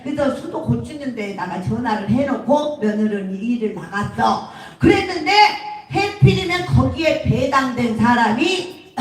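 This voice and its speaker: Chatty woman comedian in an echoey hall. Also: sits high. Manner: chatty, laughing, talks to the audience. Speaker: comedian and singing instructor. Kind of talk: live stand-up storytelling. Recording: echoey hall, far from mic.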